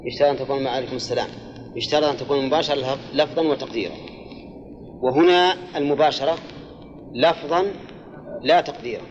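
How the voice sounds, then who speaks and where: In a grammar and exegesis class, an older man quizzes his students while explaining things step by step and repeating key phrases. His mid-range voice moves at a quick pace but pauses often, and the recording is muffled.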